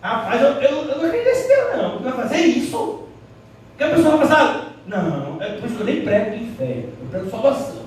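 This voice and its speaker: A man preaching a sermon as pastor, animated, mimicking the voices of doubters, recorded in a church hall from a distance. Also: extremely high pitch, brisk. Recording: echoey hall, heard from a distance.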